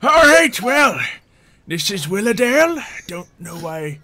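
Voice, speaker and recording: A man's voice: sits high, big pitch swings, a little slow, sharp tone, pitched above the performer's own voice, exaggerated voice. A man voicing a chatty, awkward ferryman in a tabletop roleplay game, talking in a rambling, casual way. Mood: cheery, chatty. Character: chatty, awkward ferryman bidding travellers farewell.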